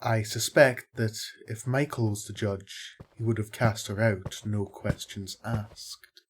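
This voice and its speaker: Man playing a lowish-voiced, kindly archangel. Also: fairly even intonation, breathy edge. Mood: thoughtful. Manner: measured, wry, explanatory. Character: kindly, fair-minded male archangel, calm ally and explainer. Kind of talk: audio drama acting.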